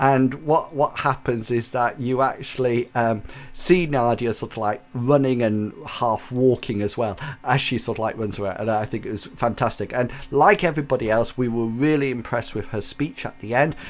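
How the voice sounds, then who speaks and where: With an English accent, a man of medium pitch speaks at a moderate pace, showing ordinary pitch variation and hardly any pauses. Music plays in the background. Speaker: web show host. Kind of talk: live stream monologue. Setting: live video stream. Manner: halting.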